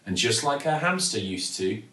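A British man in his forties reading a children's bedtime story expressively, with theatrical pauses and emphasis. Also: fairly low pitch, big pitch swings, pushed and bright. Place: living room at home, indoors. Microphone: camera or phone a few feet away. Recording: roomy, mic at some distance.

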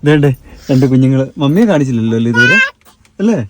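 Fast-talking chatty family vlogger man. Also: medium pitch, animated, very noisy. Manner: chatty, rambling, addresses viewers directly. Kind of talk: casual vlog talk to viewers. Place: outdoors by a car after church.

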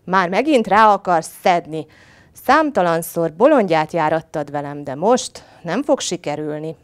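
A woman voicing a fierce but gullible male tiger in a storybook tale, loud and blustering. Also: lowish voice, lively intonation, natural voice. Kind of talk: storybook reading.

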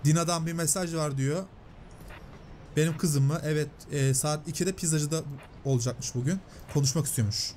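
A man doing excitable let's-play commentary, reading out and paraphrasing game dialogue in a chatty way. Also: on the high side, moderate pace, a little hiss or hum. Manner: chatty, excitable, translating and paraphrasing on-screen lines. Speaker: gameplay commentator.

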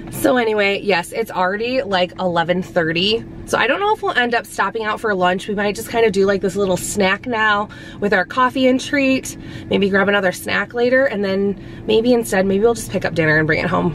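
A woman's voice: mid-range voice, slight background noise. A pregnant woman in her thirties chatting to camera in a parked car, rambling casually with lots of fillers. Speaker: vlogger, mom. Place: parked car, then a store. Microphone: camera held at arm's length.

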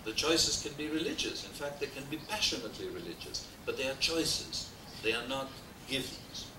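A man's voice: medium pitch, animated, normal speed. Older Austrian-accented male lecturer, discursive and wry, recorded from a distance in an echoey hall on old noisy videotape. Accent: Austrian German. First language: German. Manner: discursive, frequent hesitations, dry humor. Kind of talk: academic lecture. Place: wood-paneled lecture hall. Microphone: desk mic on stand. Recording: roomy, distant, noisy VHS transfer.

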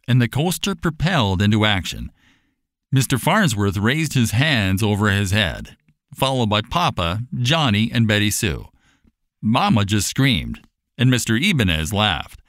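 A man narrating a scripted children's bedtime story in an animated storytelling manner. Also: on the low side, no room sound, clean studio sound. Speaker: audiobook narrator.

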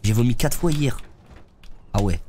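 A young man talks over his gameplay live, slangy and loose, his nose stuffy from a cold. His voice sits at an ordinary middle pitch for a man. A faint hum of room ambience hangs underneath. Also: animated, normal speed, dark tone. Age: young adult. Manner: slangy, loose, talks to chat while playing. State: congested with a head cold. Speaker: streamer. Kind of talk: live gameplay streaming, chatting with viewers. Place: streaming room, seated in a gaming chair.

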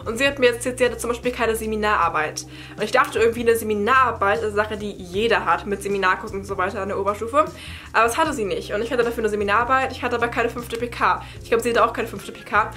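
A woman's voice: fairly high pitch, fairly even intonation, quick pace, sharp tone, soft background music. A young woman from Berlin talking casually and explaining things, like a vlogger answering questions to camera. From Berlin, Germany. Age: young adult. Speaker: study-advice vlogger. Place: bright attic room at home.

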